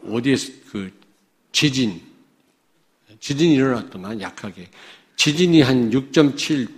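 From the pulpit, a Chungcheong-born pastor in South Korea swings his sermon between loud declarations and low asides to the flock. He poses rhetorical question after rhetorical question.

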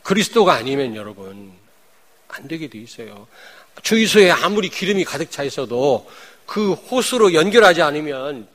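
A man, a pastor, preaching a sermon. He swings between loud declarations and hushed, chatty asides, and keeps throwing rhetorical questions at the congregation. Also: on the high side, sing-song, moderate pace.

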